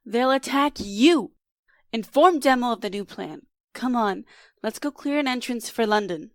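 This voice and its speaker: A woman's voice: fairly high pitch, expressive, measured pace. A woman playing a blunt, commanding young adventurer in an audio drama. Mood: blunt, urgent. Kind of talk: amateur audio drama acting.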